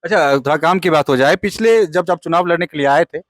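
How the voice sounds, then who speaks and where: A man's voice: on the high side, fast talker, no room sound, clean studio sound. A man interviewing as a journalist, putting long, wordy political questions. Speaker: news interviewer.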